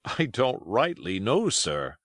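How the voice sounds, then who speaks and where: Man acting a sheepish, slow old sailor. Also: fairly low pitch, huge pitch swings, a bit bright, no room sound, clean studio sound, full character voice. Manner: hesitant, deferential. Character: sheepish, dim old gray-haired sailor.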